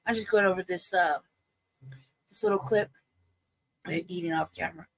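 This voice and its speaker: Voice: medium pitch, normal speed, a bit bright, slight background noise. A livestream host talking casually and hesitantly, with many fillers and restarts. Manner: rambling, hesitant, many ums.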